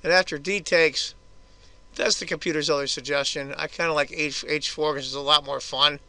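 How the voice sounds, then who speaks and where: A hoarse man giving casual, chatty move-by-move commentary on a chess game for his video channel. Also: fairly high pitch, fairly even intonation, normal speed, sharp tone.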